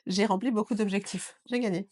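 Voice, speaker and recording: A woman's voice: mid-range voice, fairly even intonation, brisk, darkish tone. A woman whose first language is not French co-hosts a casual board game review chat, with a hesitant, playful manner full of fillers. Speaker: co-host.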